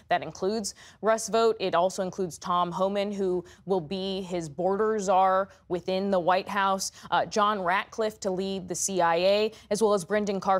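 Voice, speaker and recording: A woman news correspondent giving a brisk, matter-of-fact report. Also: mid-range voice.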